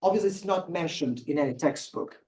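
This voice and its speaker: A man from Portugal, asking a guest lecturer a long, thoughtful question and pausing often to find his words. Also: fairly high pitch, a little mellow. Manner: thoughtful, searching for words, hesitant. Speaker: audience member asking the speaker a question. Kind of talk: question after an academic lecture. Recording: voice picked up from far off the mic.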